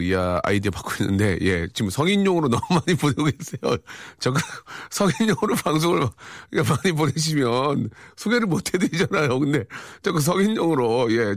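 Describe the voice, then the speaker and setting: A man's voice: mid-range voice, no echo, clean studio sound. A man hosting a radio show in casual chat, reading out listener messages with wry, chatty reactions.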